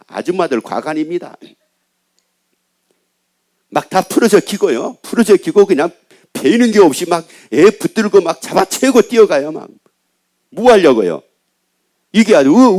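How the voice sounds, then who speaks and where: High-voiced Korean pastor preaching. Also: male voice, a little mellow. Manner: asks the congregation questions and answers them himself. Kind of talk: sermon.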